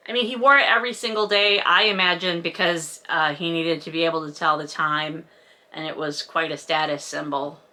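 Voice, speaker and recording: A woman's voice: deep voice, steady tone, brisk, bright, forceful tone. A woman giving a casual, comedic book recap with sarcastic, wry asides, in the manner of a video host.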